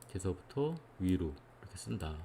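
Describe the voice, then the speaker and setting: A man giving an explanatory lecture, patiently going step by step and often pausing to check in with his listeners. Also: low-pitched, very animated, creaky, mellow, slight background noise.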